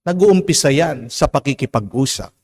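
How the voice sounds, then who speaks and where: A man with a Filipino accent preaching a Catholic homily, slow and emphatic, stretching out words and asking rhetorical questions. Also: medium pitch, lively intonation, gravelly, darkish tone, breathy edge. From Philippines. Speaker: Catholic priest. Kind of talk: homily mixing Tagalog and English. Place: church. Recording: long church reverb.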